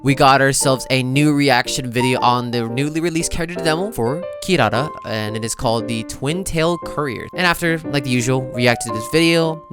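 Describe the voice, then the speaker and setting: A man giving casual, slangy and exclamatory reaction commentary as a video host. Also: medium pitch. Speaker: video host, game reaction content creator. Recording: music playing behind the voice. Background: music.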